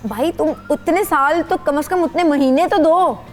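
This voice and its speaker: A woman's voice: sits high, unhurried, a little mellow. A middle-aged woman, a skin doctor appearing as a guest, patiently explaining beauty products on a talk show.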